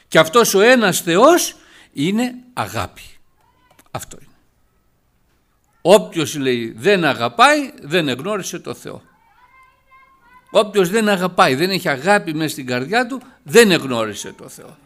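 A man preaching a sermon, his voice gravelly and set a little high. His pitch swings widely as he moves between quiet asides and loud, emphatic passages. He talks like someone addressing a congregation.

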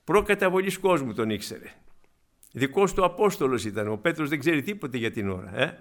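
A man's voice: medium pitch, lively intonation. A man preaching a sermon. He keeps calling the congregation beloved brothers and laughs as he tells his own stories.

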